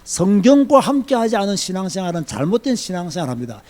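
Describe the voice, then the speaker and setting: A man's voice: sits high, very animated, fast talker, darkish tone. A man pastor giving an emphatic sermon-style Bible lecture, firing rhetorical questions and repeating key points.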